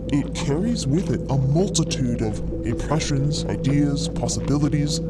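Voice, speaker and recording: A man voicing an excitable, frog-like cosmic explorer who lectures wordily in a fiction podcast. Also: medium pitch, lightly acted. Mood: lecturing, enthused. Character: eager, frog-like male cosmic explorer, gleeful theorizing savant. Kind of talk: acted fiction podcast dialogue.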